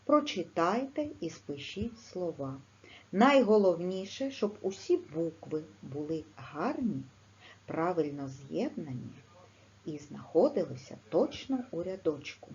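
A woman with a Ukrainian accent teaching a video lesson to schoolchildren, dictating slowly and clearly. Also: on the low side, very animated, a little mellow. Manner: slow, clear, instructive dictation. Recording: slightly dull, faint background noise.

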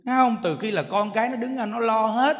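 A man's voice: high-pitched, quick pace. A monk giving a sermon as a joking storyteller, often asking his listeners rhetorical questions. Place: temple hall with an audience. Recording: echoey hall.

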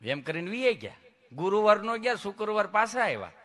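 High bright-voiced folk comedian on stage. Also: male voice, big pitch swings, a little fast. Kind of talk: stage folk humor storytelling. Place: stage before a seated audience.

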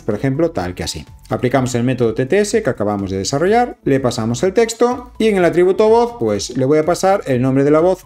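A man with a Spain Spanish accent talks through a programming tutorial in a relaxed, explanatory way, dropping fillers as he goes. His voice sits a little high and moves a lot in pitch. Faint music plays underneath. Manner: explanatory, chatty, frequent fillers. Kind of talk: screen-recorded coding tutorial.

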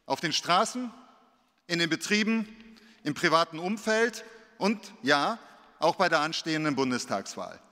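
A man's voice: on the high side, sing-song, bright, forceful tone. Earnest man speaking in a reverberant hall. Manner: earnest, measured, rhetorical. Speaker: invited business speaker. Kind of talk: formal speech to a city council. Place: large council hall, at a lectern. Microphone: lectern gooseneck microphone.

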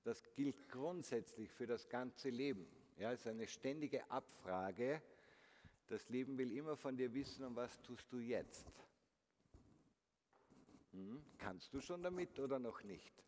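A man's voice: mid-range voice, lively intonation, measured pace, a little mellow. A man giving a motivational conference talk, speaking to the audience directly and using frequent rhetorical questions. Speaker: keynote speaker. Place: large concert hall stage. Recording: long hall reverb, faint noise.

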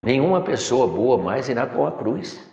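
This middle-aged man has a gravelly, dark, mid-range voice and delivers his spiritual lecture very animatedly at a normal speed. He sits in a chair in a decorated room, preachy, addressing listeners as "my son," filmed from afar in a reverberant, echoey space.

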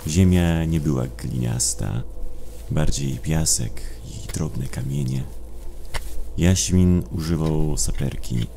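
Mężczyzna, narrator słuchowiska grozy, opowiada ponuro i miarowo. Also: male voice, rumbling low, creaky, slight background noise. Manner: somber, measured storytelling. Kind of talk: scripted horror audio drama narration. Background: music.

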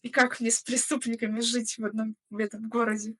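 A woman's voice: a little high, flat delivery, fairly quick. A young woman from the Russian Far East chatting casually on a video call, hesitant and full of fillers. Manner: hesitant, filler-heavy, unsure. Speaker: chat roulette guest. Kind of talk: casual chat.

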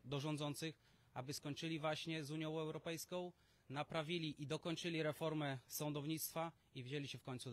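A man delivering a brisk political appeal at an outdoor press conference into stand mics. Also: fairly high pitch. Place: outdoor terrace. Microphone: cluster of stand mics.

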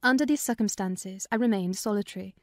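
A woman's voice: medium pitch, brisk, dry recording, studio quality. A woman narrating a classic novel as a scripted, dramatized audiobook reading.

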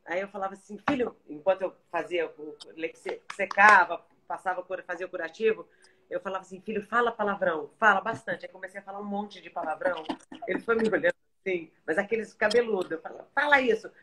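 Bright-voiced teasing woman host. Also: medium pitch, fast, a little hiss or hum. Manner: teasing, laughs easily, animated storyteller. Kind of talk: casual live-stream chat. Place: home during isolation. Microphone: phone or computer on a video call.

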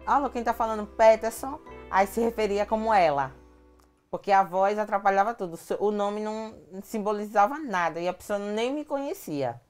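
A woman's voice: medium pitch, animated, moderate pace, darkish tone, soft background music. A woman giving a plain personal interview testimony as a patient.

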